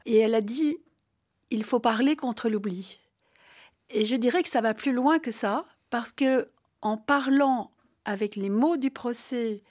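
An older woman, a historian, answering interview questions in a measured, reflective way with occasional hesitations. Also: a little high. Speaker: historian guest.

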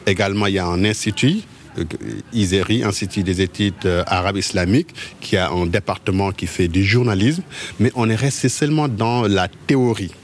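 Halting low-voiced man. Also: slight background noise. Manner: halting, with frequent word repetitions. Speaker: journalist interviewee. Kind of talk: conversational interview answers.

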